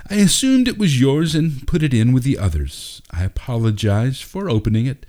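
A man's voice: medium pitch, sing-song, normal speed, dark tone, pitched above the performer's own voice, lightly acted. A man voicing a kindly, steadfast father in a storybook, earnest and polite.

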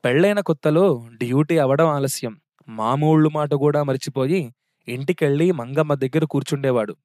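A man's voice: a little high, moderate pace, mellow, dry recording. Man reading a wry story, dry sound. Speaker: narrator.

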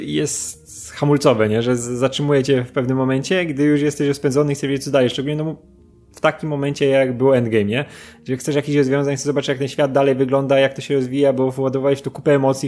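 A man's voice: medium pitch, a little mellow. A man co-hosting a casual film discussion podcast, talking in a chatty way and often ending points with tag questions. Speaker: podcast co-host.

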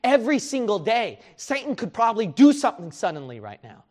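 A male preacher delivers a sermon in a high-pitched voice. He pushes his listeners with rhetorical questions and plays out their excuses in quoted voices. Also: wildly swooping pitch, brisk, a little mellow.

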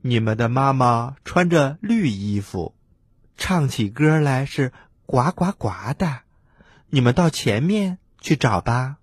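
A man voicing a big white goose mother in a children's story, explaining slowly and patiently. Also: mid-range voice, lively intonation, slightly rough, no room sound, clean studio sound. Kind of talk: storybook role-play.

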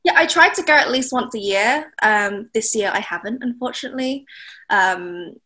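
A woman's voice: a little high, animated, normal speed, pushed and bright. A young woman from Thailand, a blogger being interviewed, chatting casually with lots of fillers and laughs. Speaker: blogger, guest.

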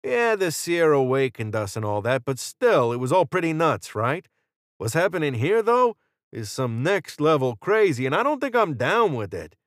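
Man voicing a cocky gunman, pitched up and glib. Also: sing-song, normal speed, dry recording, studio quality. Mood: glib, candid. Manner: glib, casual, slangy, sarcastic. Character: cocky, flippant male cult gunman cutting a deal. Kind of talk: audiobook character dialogue.

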